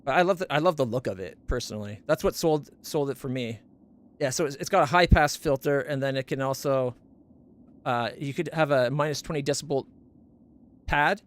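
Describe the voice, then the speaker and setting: A man streaming from home, chatting casually about his gear in a rambling, self-correcting way, close on a studio condenser mic. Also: fairly quick. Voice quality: not very deep voice. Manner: rambling, self-correcting, stumbles over names.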